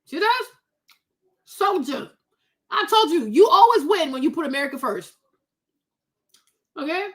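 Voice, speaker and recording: A woman doing casual reaction commentary on a video, exclaiming loudly and laughing often. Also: extremely high pitch, sing-song, a little slow, pauses often.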